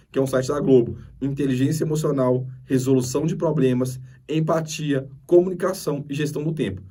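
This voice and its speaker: A man's voice: mid-range voice, dark tone, slightly rough, recorded from a distance. A man with a Brazilian Portuguese accent, teaching a lesson over slides and repeating his key points with emphasis. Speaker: course instructor.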